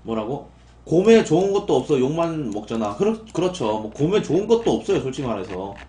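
A young man hosts a casual live stream and talks straight back to his viewers, his pitch rising and falling a lot as he answers them. His voice sits fairly high for a man. The room behind him adds a noticeable echo. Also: sing-song, fast, mellow. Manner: talks back to chat, rising into exasperated outbursts.

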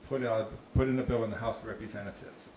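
A Boston-accented park ranger gives an informal talk with audience questions, speaking into a handheld mic in a small, dark meeting room with a slide screen. His voice is lowish, steady, and a little mellow, and he talks fast, chatting with frequent restarts and dry jokes. The room is echoey with faint noise.

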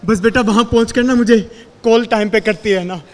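A man's voice: high-pitched, steady tone, brisk, a little mellow, natural voice. A man playing an ailing, tender older father seeing his daughter off, in an improvised comedy sketch. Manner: tender, fussing.

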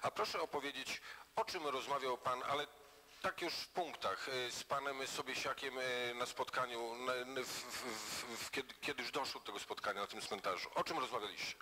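Male committee questioner, very sharp tone, formal and persistent. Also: mid-range voice, normal speed, a little hiss or hum, low-quality recording. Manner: persistent, formal, reads out transcript excerpts. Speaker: committee member questioning a witness. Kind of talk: formal interrogation at a hearing. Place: parliamentary hearing room.

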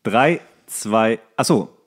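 A man's voice: lowish voice, lively intonation, drawn-out words. A young man chatting casually as a podcast co-host and commenting on a show as he watches.

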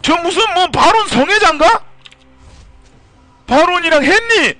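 A man streaming a video game, commentating live and loudly scolding his teammates. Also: very high voice, a little slow, soft background music. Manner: excitable, loud scolding at teammates.

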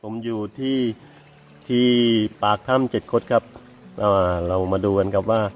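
A man's voice: lowish voice, moderate pace, soft background music. A man hosting a travel vlog, chatting casually outdoors at a cave entrance and asking a local guide questions. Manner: relaxed, asks the guide questions. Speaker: travel vlogger host. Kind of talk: casual on-site tour chat. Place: outdoors at a cave mouth by a stream.

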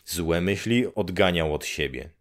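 A man narrating a classic story for an audiobook in a calm, measured storytelling manner. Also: low-pitched.

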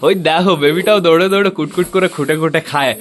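A man's voice: a little high, very fast. A man vlogging about his pet pigeons in a casual, chatty way, talking to viewers and coaxing his birds. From West Bengal, India. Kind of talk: casual vlog narration.

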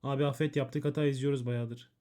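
A man's voice: mid-range voice, level tone, fairly quick, warm tone. A man streaming, reading out viewers' ban appeals and answering them in blunt, profane casual chat. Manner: blunt and swearing, reading chat messages aloud.

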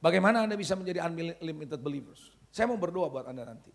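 A middle-aged man, a pastor preaching a sermon with animated storytelling. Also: fairly high pitch, fast talker, creaky. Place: church service.

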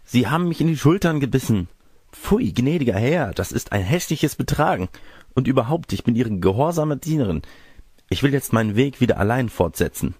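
Mann spielt naives junges Bauernmädchen, deutlich höher gesprochen. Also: male voice, mid-range voice, sing-song, brisk, darkish tone, husky, no room sound, studio quality, voice pushed up. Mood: indignant. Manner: fussy, exclamatory, polite protests. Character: naive, coy, scolding young peasant girl.

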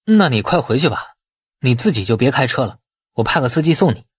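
A man's voice: mid-range voice, very animated, fairly quick, husky. A man voicing a blunt, shrewd, grumbling boss in an audiobook novel, talking colloquially. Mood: matter-of-fact.

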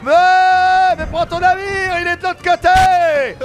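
A man giving excited commentary on a video game he is playing, full of exclamations and shouted battle cries. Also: very high voice, takes it slowly, faint music behind, a faint crowd. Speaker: gaming YouTuber. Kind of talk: excited let's-play commentary.

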